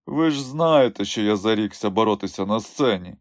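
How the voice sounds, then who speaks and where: A man voicing a shy young strongman lad who speaks softly and hesitantly. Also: fairly low pitch, animated, normal speed, no room sound, clean studio sound, natural voice. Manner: soft-spoken, hesitant.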